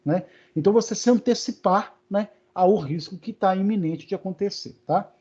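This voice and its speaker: A man's voice: sits high, normal speed, mellow, husky. A man with a Brazilian Portuguese accent giving a live online lecture, talking casually with many fillers and check-ins with his students. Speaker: university lecturer. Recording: dull, lo-fi online class audio.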